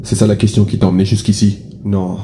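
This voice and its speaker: Blunt male mentor acted by a man, low mellow tone, dry sarcasm, parody audio drama. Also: flat delivery, fast, lightly acted. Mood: sardonic. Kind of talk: comedic audio drama acting.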